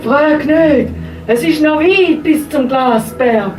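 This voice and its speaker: Woman doing a white wolf, stern, slow warning tone, roomy stage sound. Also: high-pitched. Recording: roomy live stage sound from far off, faint music.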